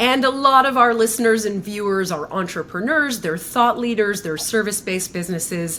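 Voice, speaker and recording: Pitch variation here is ordinary. It is a normal speaking voice. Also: woman. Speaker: podcast host, former TV correspondent. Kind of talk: podcast interview questions.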